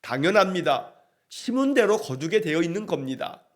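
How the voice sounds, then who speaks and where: A man preaching an early-morning sermon in a fairly high voice. He retells the scripture as blunt, chiding speech aimed straight at the listener. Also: sing-song, moderate pace. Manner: paraphrases scripture in a scolding direct voice. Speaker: pastor.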